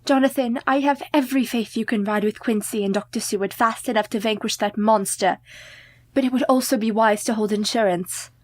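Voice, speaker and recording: An actress playing a haunted but clever young wife in a radio play, formal and composed. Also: female voice, a little high, fairly quick, close to an everyday voice. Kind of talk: community radio play acting.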